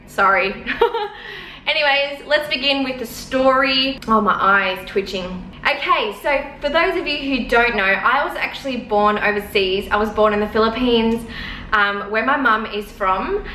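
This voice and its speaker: Casting note: a woman in her twenties, a rambling vlogger with a bright voice on the high side, recorded in an echoey room. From Australia. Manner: rambling and chatty, with many fillers and apologies. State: sore eyes from smoke. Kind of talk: casual storytelling to camera. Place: lounge room at home. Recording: echoey room, faint background noise.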